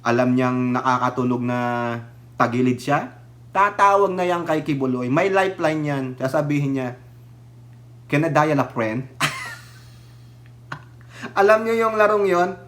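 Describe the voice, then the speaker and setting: A man's voice: a little high, a little slow, long pauses, fairly bright tone. A man giving casual political commentary on his vlog, sarcastic and mocking, laughing often and talking straight to his viewers. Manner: addresses viewers directly. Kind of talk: casual commentary reading and reacting to news.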